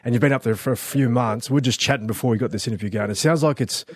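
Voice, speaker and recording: A man co-hosts a sports podcast in a casual, chatty way, slipping in fillers as he goes. His voice is of middling pitch. The sound is dry and close, with no room in it. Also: very fast, no echo. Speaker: podcast co-host. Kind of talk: casual sports chat and interviewing.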